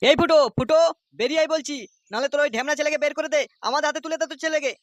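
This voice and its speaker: An actor plays an angry father, a blustering local tough in a comedy cartoon. He threatens at a furious speed in a high, dry-sounding voice. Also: fairly even intonation, rapid-fire, fairly bright tone, no echo. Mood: furious, shouting. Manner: threatening, hectoring. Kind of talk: comic cartoon dialogue.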